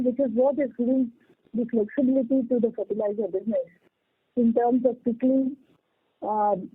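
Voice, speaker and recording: A woman with an Indian accent speaking as a company executive, explaining business matters in a measured, methodical way on an earnings call. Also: a little high, slightly rough, dry recording. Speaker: company executive answering analysts. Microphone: conference call phone line. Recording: tinny phone line, dry.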